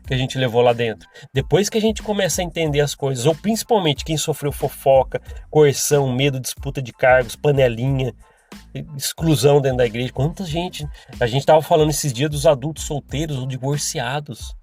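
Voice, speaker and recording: A man's voice: mid-range voice, brisk, darkish tone, faint music behind. A Brazilian man hosting a podcast and talking casually, rambling with restarts and chuckles. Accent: Brazilian Portuguese. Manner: chatty, rambling, with frequent restarts and laughs. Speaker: podcast host.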